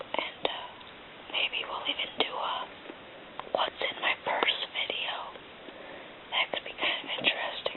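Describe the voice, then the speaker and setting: A woman whispering at a fairly slow pace amid noticeable background noise. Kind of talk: ASMR whispered show-and-tell. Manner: whispered.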